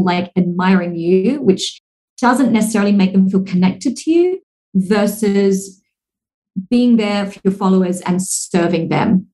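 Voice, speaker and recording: A woman in her thirties, a podcast guest, talks easily and with energy at a middle pitch. Her speech runs on in long stretches, full of casual fillers. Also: low-quality recording. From Singapore. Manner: fluent, energetic, frequent "like" and "you know" fillers. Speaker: podcast guest, speaker and author. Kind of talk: casual interview conversation.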